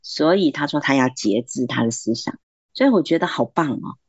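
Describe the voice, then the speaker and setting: A woman's voice: extremely low pitch, lively intonation, brisk, darkish tone, husky, no echo, lo-fi sound. A woman giving earnest, encouraging Christian advice on marriage and self-control, acting out quoted remarks. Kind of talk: faith-based advice talk.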